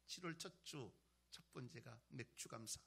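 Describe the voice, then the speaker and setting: A male pastor preaching a sermon, moving between loud exhortation and quiet, conversational storytelling. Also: mid-range voice, lively intonation, normal speed, vocal fry, breathy edge.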